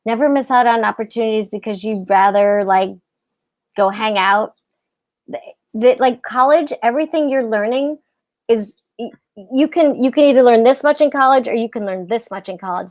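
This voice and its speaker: A woman with a squeaky, high voice giving encouraging career advice on a video call, laughing often. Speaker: guest actress.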